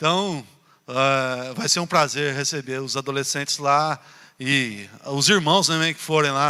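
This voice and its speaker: A man with a Minas Gerais accent talks in a bright, sharp tone at a fairly high pitch. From Minas Gerais, Brazil. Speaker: pastor. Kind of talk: sermon. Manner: relaxed, conversational.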